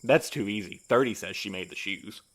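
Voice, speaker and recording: A reserved male supervisor in an audio drama, acted by a man, with a fairly low voice. He is prim and rule-minded, choosing formal, precise words in a pedantic manner. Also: a little fast, a bit bright.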